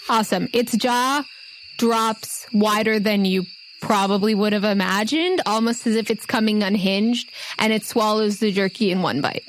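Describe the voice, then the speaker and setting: A woman's voice: mid-range voice, moderate pace, slight background noise, low-quality recording. A woman narrating casually as game master of a tabletop game, with faint night ambience behind her.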